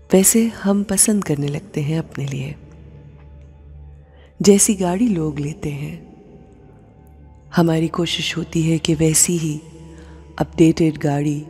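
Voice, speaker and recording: Very slow, breathy woman guiding meditation. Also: low-pitched, mellow. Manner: measured, unhurried, with long pauses between short phrases. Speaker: guided meditation host. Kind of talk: slow guided meditation and prayer. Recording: long reverb with music bed. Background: music.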